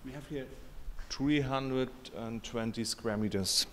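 A man in his forties with a German accent giving casual tour answers in halting, short phrases. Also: medium pitch, slight background noise. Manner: halting, short phrases in non-native English. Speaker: store representative giving a tour. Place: inside shops and on a city street. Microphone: handheld interview microphone.

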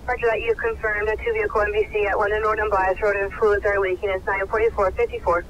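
A man's voice: sits high, little pitch movement, fast talker. A man working as a fire dispatcher, heard over a radio, reading back calls and times in clipped dispatch style. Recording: muffled radio with static noise.

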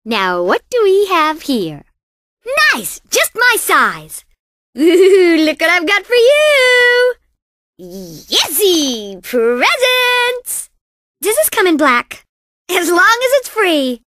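Coco Bandicoot, very high, sassy cartoon girl. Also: huge pitch swings, very slow, a bit bright, no echo, studio quality, heavily acted. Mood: delighted. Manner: sassy, boastful, cartoonishly exaggerated delivery. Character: perky, cocky young female bandicoot racer. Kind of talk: video game character voice lines.

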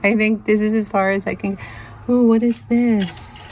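A woman's voice: mid-range voice, fairly even intonation, normal speed, darkish tone, a little hiss or hum. A woman vlogging as she sorts vintage jewelry in an antique store, thinking aloud and chatting as she goes. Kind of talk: casual thrifting narration. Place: inside a cluttered antique store.

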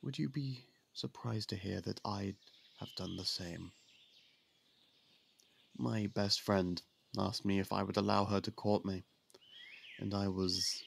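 Voicing a young royal prince for an ASMR roleplay, a male voice actor speaks in a fairly low, heavily gravelly tone full of vocal fry, exaggerated for the part. He's candid and persuasive, soft-spoken and confiding, slipping into hushed whispers now and then. A faint hiss sits beneath the recording.

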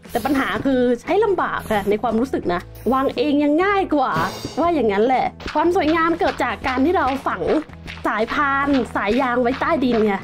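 High, lively woman commenting on gameplay. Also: brisk, over music. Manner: chatty, exclaims often, calls herself by name. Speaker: gaming channel host.

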